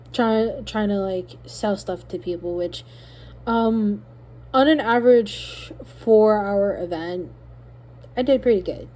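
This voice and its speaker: A very tired woman chats to her vlog in a loose, rambling way. Her voice is mellow and low in brightness, a bit strained as if starting to give out. There is light noise in the hotel room recording. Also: rough recording. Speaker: small craft business owner vlogging. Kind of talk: casual rambling vlog diary.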